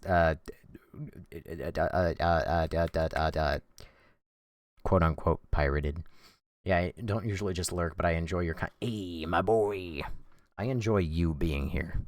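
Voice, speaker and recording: A young man streaming a game live, reading chat sarcastically and shrieking when the game scares him, his voice going hoarse. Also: low-pitched, fairly bright tone, no room sound, clean studio sound. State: losing his voice.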